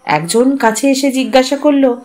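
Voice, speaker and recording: Calm woman narrator, story channel host, reading a short story aloud, slightly high voice, even storytelling pace. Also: moderate pace.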